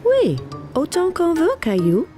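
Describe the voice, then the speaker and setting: A woman voicing a patient, cheerful young mother in a children's cartoon dub, gently explaining things. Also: extremely high pitch, huge pitch swings, takes it slowly, over music, exaggerated voice.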